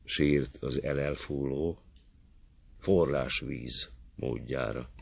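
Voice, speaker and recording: A man reading an epic poem aloud in a measured, solemn manner for an audiobook. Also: a bass voice, steady tone, vocal fry, slightly rough, no room sound. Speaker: audiobook reader.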